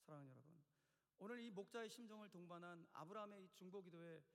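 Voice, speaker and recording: A male pastor preaching a sermon in a church, telling the story in an animated way and acting out the quotes. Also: sits high, quick pace, creaky. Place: church sanctuary. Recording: long church hall reverb.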